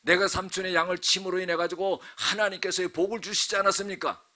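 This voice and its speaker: Jacob, a preacher voicing an indignant patriarch. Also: male voice, sits high, little pitch movement, fast talker, bright, forceful tone, voice pushed up. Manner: protesting, rhetorical demands. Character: indignant biblical patriarch Jacob, middle-aged man.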